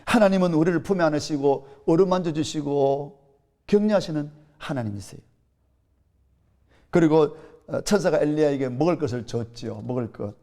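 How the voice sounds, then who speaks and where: A man's voice: fairly high pitch, moderate pace, vocal fry, warm tone. A man in his fifties, a pastor with a Gyeongsang accent, preaching an earnest storytelling sermon that rises to emphatic peaks. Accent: Gyeongsang Korean.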